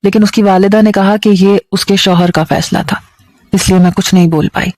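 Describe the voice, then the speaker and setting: A woman storyteller with a Pakistani Urdu accent reading a dramatic story in a steady, emotive way. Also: medium pitch, no room sound.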